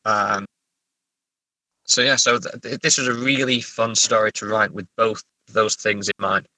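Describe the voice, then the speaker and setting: A man talking casually as a writer being interviewed, halting as he thinks aloud. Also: on the low side, fairly even intonation, bright, forceful tone, no echo, low-quality recording. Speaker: writer, podcast guest. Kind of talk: casual interview chat about writing.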